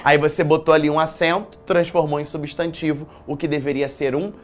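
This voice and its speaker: A man with a Brazilian accent teaching a live online exam-prep writing class from a studio, chatty and lively, quizzing his viewers with slangy asides. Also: a little high, fairly quick. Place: studio in a commercial building.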